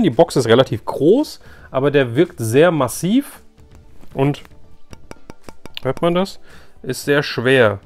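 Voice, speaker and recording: A man's voice: mid-range voice, a little mellow. A man doing a casual unboxing commentary for viewers, thinking aloud informally and giving frank opinions. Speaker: YouTube host unboxing products.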